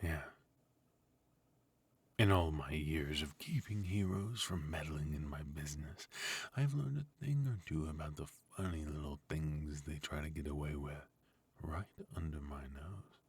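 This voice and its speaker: A man playing a smug, fussy retired supervillain husband in an intimate comedic ASMR roleplay, with a husky, mock-sinister delivery. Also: rumbling low, unhurried, exaggerated voice. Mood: quietly menacing.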